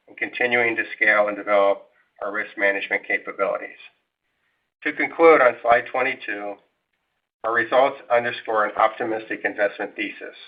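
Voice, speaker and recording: A man speaking as a company executive, reading a formal, measured scripted financial presentation over a conference call line. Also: on the low side. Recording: tinny, narrow phone line.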